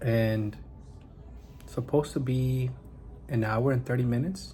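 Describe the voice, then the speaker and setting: A soft-spoken man with ordinary pitch variation. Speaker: vlogger. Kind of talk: vlog.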